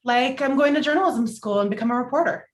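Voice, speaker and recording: A woman's voice: sits high, fast talker, close to an everyday voice. A woman playing a practical, earnest young aspiring journalist, a little defensive, in a script table read. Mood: matter-of-fact. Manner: earnest, matter-of-fact, defensive.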